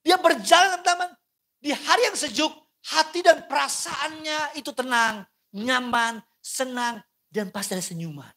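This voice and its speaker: Male pastor, lively playful sermon delivery with a bright, forward tone. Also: extremely high pitch, normal speed. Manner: animated, playful, questioning the congregation.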